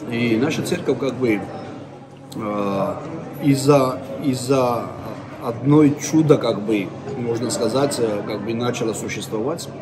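A man speaks at a very slow pace with long, frequent pauses and ordinary pitch variation. Noticeable background noise is present. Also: medium pitch for a man. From Georgia (Tbilisi). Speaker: church pastor. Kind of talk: interview, sermon-style prayer. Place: cafe. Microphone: phone near.

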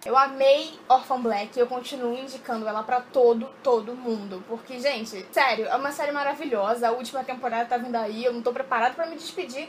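Speaking at a fairly quick pace with hardly any pauses, a woman keeps a high pitch. Light background noise can be heard. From Brazil. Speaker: book and TV series YouTuber; series vlogger. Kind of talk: casual vlog recommendations. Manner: animated. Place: home room.

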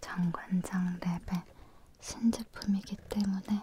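Over noticeable background noise, a woman talks in a monotone, flat intonation. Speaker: ASMR creator, presenter. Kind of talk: soft ASMR sponsored product talk. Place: home room.

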